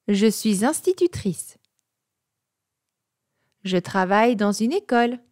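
A woman narrating a scripted vocabulary lesson, speaking in a slow, clear and deliberate way. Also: medium pitch, no echo, clean studio sound. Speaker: teacher.

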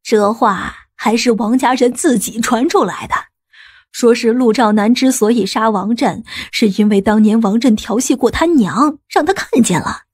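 A woman acts a knowing older village woman in an audiobook. Her voice is fairly high and husky, gossipy and insinuating, with a dry sound. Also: darkish tone, no echo.

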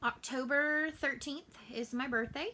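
A woman's voice: high-pitched, fairly even intonation, a little slow, sharp tone, slight background noise. A woman in her late thirties chatting casually to camera about her stitching hobby, rambling and gesturing as she talks, seated in a small room at home. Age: 30s. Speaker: cross-stitch vlogger. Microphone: camera in front, upper-body framing.

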